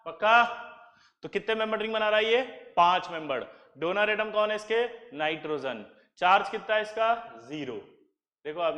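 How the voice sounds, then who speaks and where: A man's voice: sits high, fairly bright tone. A man teaching chemistry in a classroom lecture, drilling students with repeated questions and answers. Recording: echoey classroom with long reverb.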